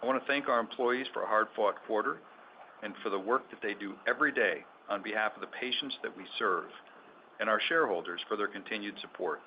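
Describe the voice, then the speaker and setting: A man speaking as a chief executive delivers formal, measured, scripted remarks on an earnings call. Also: on the low side. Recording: dull conference audio with background noise.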